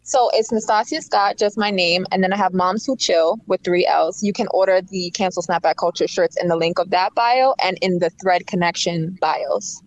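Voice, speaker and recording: A woman's voice: lowish voice, moderate pace, hardly any pauses, no room sound, rough recording. A woman in her late twenties, a podcast guest, speaking earnestly and from the heart in casual chat. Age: 20s.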